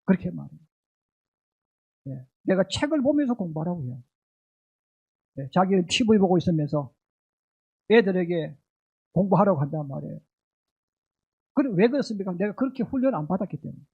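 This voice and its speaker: A man's voice: sits high, big pitch swings, fairly quick, gravelly, pauses often, dark tone, breathy edge, dull audio. A middle-aged male pastor preaching a sermon emphatically, with repeated rhetorical questions to the congregation. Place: church sanctuary.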